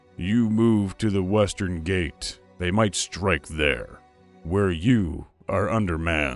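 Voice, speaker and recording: A man in a put-on character voice at a very deep, low pitch and fairly slow pace, with faint music in the background. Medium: read story. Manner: slow, commanding.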